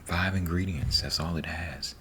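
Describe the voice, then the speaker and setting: An ASMR host, a man with a low-sitting voice, rambles softly at normal speed, close to the microphone. He is breathy and often near a whisper, informal and repetitive, with faint background noise.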